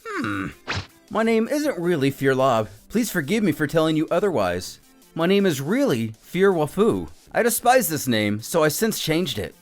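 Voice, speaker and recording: A man's voice: fairly high pitch, sing-song, moderate pace. A man voicing a courtly attendant to a god, formal, flowery and melodramatic, in a storytelling recap. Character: courtly, theatrical male attendant of a war god. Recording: music behind the voice.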